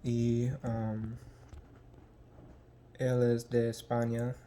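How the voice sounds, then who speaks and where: Young American man, language-learner vlog, halting, slow, mellow voice. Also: mid-range voice, completely flat delivery, a little hiss or hum. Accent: American English. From United States. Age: young adult. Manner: halting, searching for words with many ums. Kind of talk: casual vlog.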